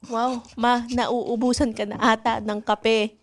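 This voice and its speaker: A high, youthful voice for a whiny schoolgirl acted by a woman in an improvised radio play. She complains and pleads like a put-upon daughter. There is some faint noise in the recording. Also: level tone, takes it slowly. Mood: whiny, grumbling. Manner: whining, complaining. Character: whiny teenage schoolgirl vendor named Mildred, complaining but obedient. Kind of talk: improvised radio drama acting.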